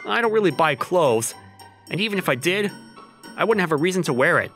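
A man's voice: a little high, lively intonation, a little fast, a bit bright. A young man playing an awkward, self-doubting single guy in a manga dub, with a wry, self-questioning manner. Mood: resigned, hesitant. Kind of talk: manga dub acting and narration. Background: music.

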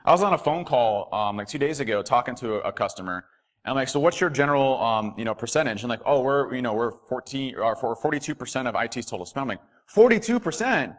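A man giving a conference keynote from a podium in a hotel ballroom, animated and quick, with lots of fillers and restarts. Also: medium pitch. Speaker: keynote speaker.

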